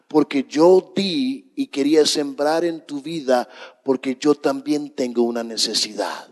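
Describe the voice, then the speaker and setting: Brief: middle-aged male pastor, slightly high voice, unhurried dramatic sermon storytelling, long church reverb. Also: a little mellow. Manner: slow, dramatic storytelling to a congregation.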